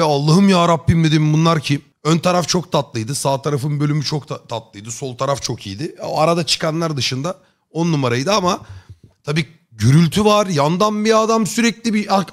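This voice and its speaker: A man streaming live and chatting casually with his viewers, joking and rambling in chummy slang. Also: a little high. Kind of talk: casual chat.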